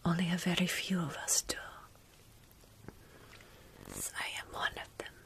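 A woman in her thirties playing a motherly, protective vampire mentor in a soothing, breathy whispered ASMR roleplay, with formal phrasing. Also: lowish voice, wildly swooping pitch, measured pace, a bit bright, exaggerated voice. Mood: calm, instructive.

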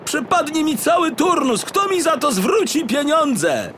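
A man's voice: very high-pitched, sing-song, measured pace, fairly bright tone, a little hiss or hum, pitched above the performer's own voice, exaggerated voice. A man voicing a flustered, whiny, indignant detective in a children's audiobook, exclaiming and protesting. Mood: outraged. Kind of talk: audiobook character acting for children.

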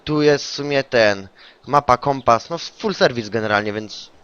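Male streamer, casual gaming chatter, loud bursts on kills, mid-pitch, lo-fi stream mic. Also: normal speed, clear, resonant tone. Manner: excitable, swears, yells taunts in English on kills. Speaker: game streamer. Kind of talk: casual gaming chat with a teammate.

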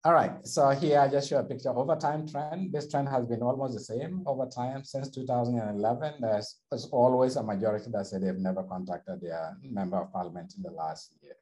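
A man's voice: medium pitch, steady tone, a little fast, few pauses, mellow, low-quality recording. A man presenting survey findings over slides in a webinar, explaining steadily with frequent restarts.

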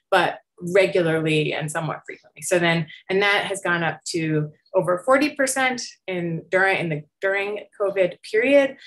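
A middle-aged woman with a slightly low voice gives an informal research talk over a video call. She explains her findings in a conversational way, softening points and checking that listeners follow. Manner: conversational, explanatory, with frequent hedging and rising check-ins. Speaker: academic researcher presenting survey results. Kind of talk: informal slide presentation. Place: indoor room, on a video call.

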